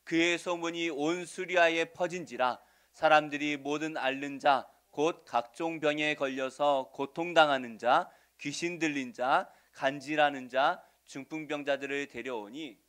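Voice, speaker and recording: A male pastor giving a Sunday sermon, asking the congregation questions and answering them, swinging between loud stresses and soft asides. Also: a little high, steady tone, unhurried, few pauses. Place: church sanctuary.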